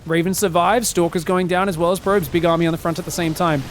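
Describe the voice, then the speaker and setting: A man casting a strategy game on his own, excitable on big plays and analytical in replays, his voice phlegmy after being sick. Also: sits high, fast talker, slight background noise. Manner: excitable, shouts on big plays, then breaks down mistakes. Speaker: esports caster. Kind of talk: solo game commentary.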